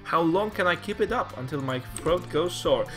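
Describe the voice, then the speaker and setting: A man's voice: fairly high pitch, expressive, moderate pace, over music. A man commentating a strategy game in a playful, casual style, laughing often. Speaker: esports commentator.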